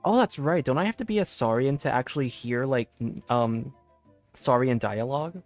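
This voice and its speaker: A man's voice: mid-range voice, expressive, moderate pace, no room sound. A man streaming a game, giving casual, playful live commentary into a close microphone. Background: game music.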